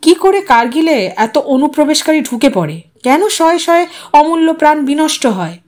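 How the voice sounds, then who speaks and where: A woman's voice: high voice, big pitch swings, normal speed, darkish tone. A woman reading a story aloud as a scripted audiobook narration.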